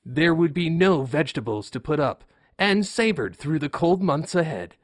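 A man's voice: fairly high pitch, very animated, normal speed, no echo, studio quality. A man playing a showy, genial game show host who narrates a storybook tale in a comic audio drama. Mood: storytelling.

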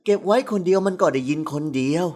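Brief: woman voicing a gentle, wise old woman, lower and quiet, audiobook. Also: fast, natural voice.

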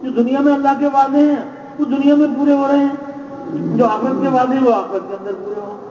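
A man preaching a sermon, measured and exhorting, repeating key phrases. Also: very high voice, steady tone. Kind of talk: religious sermon. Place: large gathering space. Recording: echoey, distant, dull lo-fi with faint noise.

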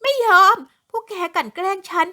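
A woman voicing a spoiled, haughty young woman who yells and protests being arrested, in a shrill, indignant tone. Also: very slow. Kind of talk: audiobook character voice.

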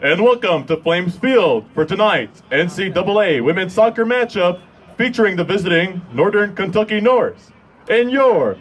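A man in his twenties announcing formally and with measured delivery as a sports PA announcer, into a handheld microphone. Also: sits high, big pitch swings, slightly rough. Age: 20s. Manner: formal, measured, drawn-out names. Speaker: public address announcer. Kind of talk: stadium PA announcing, scripted intros. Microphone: handheld microphone held close. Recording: outdoor crowd and ambient noise behind.

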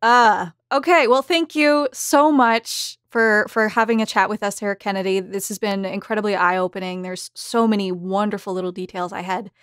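A woman hosts a casual behind-the-scenes podcast, chatting and addressing her listeners. Her pitch is average and the sound is dry, free of room echo. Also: fairly even intonation, moderate pace, hardly any pauses, fairly bright tone, clean tone. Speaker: podcast host.

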